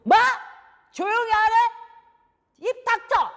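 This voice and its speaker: An enraged father bellows and scolds in a strained, high voice, as a woman puts him on. He blusters and threatens. The sound carries a long hall reverb. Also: animated, slow, exaggerated voice. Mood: furious. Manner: yelling, blustering. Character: angry shouting Haitian father, fearful and harsh.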